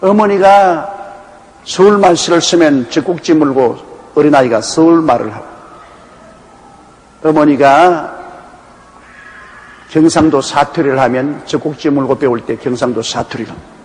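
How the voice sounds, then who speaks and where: A male pastor from Gyeongsang preaches through scripture, mixing in homely anecdotes as he goes. His voice sits a bit high for a man, and it rings out in a long hall reverb with a faint hiss underneath. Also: normal speed, pauses often, a little mellow. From Gyeongsang province, Korea. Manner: folksy storytelling with anecdotes. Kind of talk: Bible exposition sermon. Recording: echoey hall with faint background noise.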